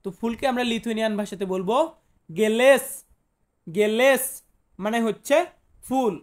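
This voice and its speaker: A man from Bangladesh, giving a vocabulary lesson to viewers. He repeats each new word slowly and asks rhetorical questions before answering them. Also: sits high, fairly even intonation. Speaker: language teacher.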